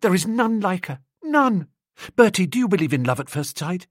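A man voicing an excitable, lovestruck young upper-class man who gushes eagerly and rushes his words. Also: sits high, dry recording, studio quality, voice pushed up. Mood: gushing. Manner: gushing, eager, rushing ahead.

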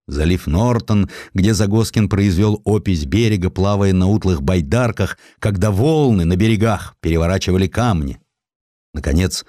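A man reading scripted historical sketches as an audiobook narrator, in an expressive storytelling manner. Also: fairly low pitch, no room sound, clean studio sound.

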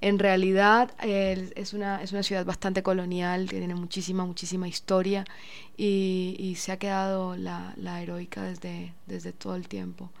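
A woman's voice: on the low side, monotone, normal speed, vocal fry. A woman from Colombia with an accent mixing inland and Caribbean coastal speech, chatting casually as a guest on a radio show. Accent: Colombian, mix of inland and Caribbean coast.

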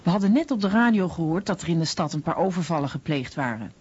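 A woman's voice: lowish voice, lively intonation, fast talker, a little mellow, husky. A woman playing a mother and shopkeeper giving testimony in a radio documentary drama. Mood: recounting. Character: mother and shopkeeper recounting a robbery. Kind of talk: dramatized Dutch voice-over of testimony. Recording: dull, muffled radio recording.

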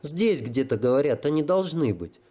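A man's voice: on the high side, lively intonation, normal speed, dark tone, pitched above the performer's own voice. A man voicing a tearful, simple-minded holy fool who talks about himself like a child. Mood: plaintive. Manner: childlike pleading, stuttering.

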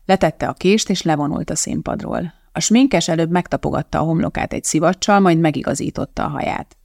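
An audiobook narrator reading a novel in an even, measured storytelling manner, recorded close to the mic. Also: medium pitch, gravelly, no echo.

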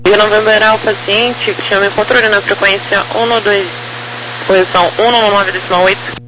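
High-pitched Brazilian male air traffic controller. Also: little pitch movement, normal speed. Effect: aviation radio. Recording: noisy humming radio transmission.

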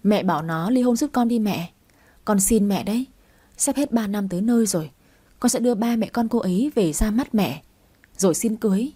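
A woman's voice: mid-range voice, brisk, warm tone, husky. A woman voicing a selfish adult son on a phone call, pleading with his mother to push his wife into a divorce. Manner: pleading, insistent.

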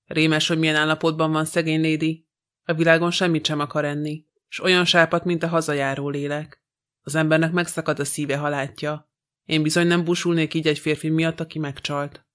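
Guy reading as a chatty young maid, flat monotone, kinda high voice, audiobook. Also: clear, resonant tone, natural voice. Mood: gossiping. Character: chatty young French housemaid, gossipy.

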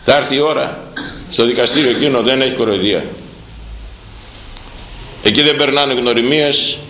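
A middle-aged priest delivering a sermon, dramatic and repetitive, his pitch swinging from high to low. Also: a bit bright, roomy sound, a little hiss or hum, rough recording. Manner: dramatic, repeating words for emphasis, swinging pitch. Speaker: Orthodox priest.

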